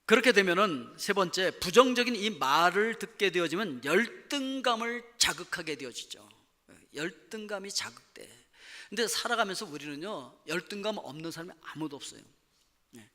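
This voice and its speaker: A high-pitched male pastor with a bright, forceful voice preaches with real animation, suddenly shouting out the complaints he quotes. His voice rings through a large church hall with a long, trailing reverb. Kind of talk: sermon. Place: church sanctuary.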